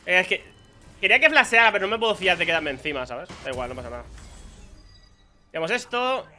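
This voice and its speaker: A man's voice: a little high, sing-song, quick pace, bright, forceful tone, soft background music. A young man with a Spain Spanish accent giving casual live commentary on his own gameplay, muttering to himself and exclaiming when surprised. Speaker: gaming streamer.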